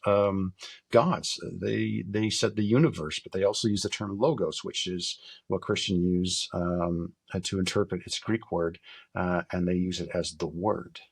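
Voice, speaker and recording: A middle-aged American man from northern Minnesota talking reflectively as an interview guest, candid and halting in his delivery. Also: fairly low pitch, creaky, husky. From northern Minnesota, United States. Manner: candid, halting, casually profane. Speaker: podcast guest, military veteran and survival instructor.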